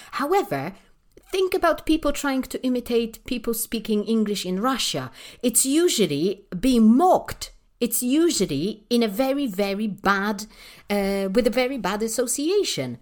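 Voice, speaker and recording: A woman's voice: fairly high pitch, a little mellow. A woman from Poland with a Polish accent, hosting a podcast and delivering a passionate, emphatic monologue full of rhetorical questions and fillers. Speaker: podcast host and English teacher trainer.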